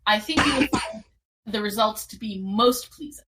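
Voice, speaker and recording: A woman's voice: a little high, normal speed, noisy background, lightly acted. A woman voicing a polite alien librarian investigator who speaks in stiff, formal diplomatic phrases. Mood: courteous.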